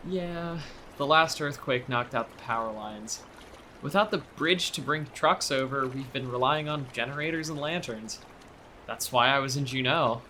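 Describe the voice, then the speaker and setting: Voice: medium pitch, moderate pace, pushed and bright, a little hiss or hum, natural voice. A young adult actor playing a friendly, worried small-town boat owner in an audio drama, speaking in a conversational, earnest way. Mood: matter-of-fact. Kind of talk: naturalistic audio drama acting.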